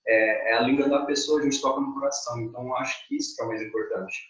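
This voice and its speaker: Casting: Brazilian male host, mid pitch, encouraging and talkative, roomy muffled call audio. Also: fairly even intonation, racing, fairly bright tone. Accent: Brazilian Portuguese. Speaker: interviewer, channel host. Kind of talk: casual video-call interview. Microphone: video call.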